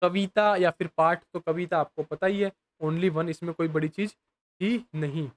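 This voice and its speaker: A young man teaching exam questions in a casual, chatty way. He reads each English question slowly, then explains it quickly, calls the viewer "bhai" and keeps asking if they follow. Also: fairly high pitch, steady tone. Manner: addresses viewers as bhai, often asks if they understand.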